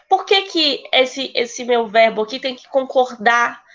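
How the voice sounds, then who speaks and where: A woman's high voice with ordinary pitch variation at a fairly slow pace. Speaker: teacher. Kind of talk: lecture.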